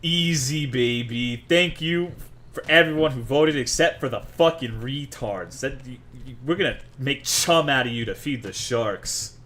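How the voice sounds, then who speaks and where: Streaming a game, this Texan jokes crudely with viewers, brash and foul-mouthed in loose live chatter. He speaks at a measured pace in a medium, fairly bright voice, with slight background noise.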